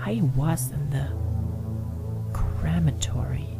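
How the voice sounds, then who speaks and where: A man's voice: fairly high pitch, takes it slowly, gravelly, loud music behind the voice. A man narrating a first-person ghost story, dramatic and at times dropping to a whisper.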